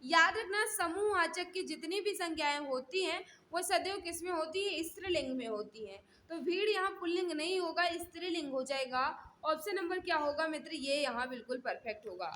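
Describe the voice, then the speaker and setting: A woman's voice: very high voice, animated, brisk, hardly any pauses, fairly bright tone, slight background noise. A woman teacher running a live exam-prep class, reading out questions and repeating them with instructional set phrases. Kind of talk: live mock-test lesson, questions and answers.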